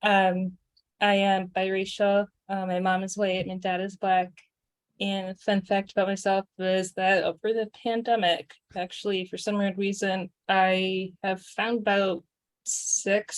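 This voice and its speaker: A woman from Illinois introducing herself on a video call in an eager, rambling way. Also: mid-range voice.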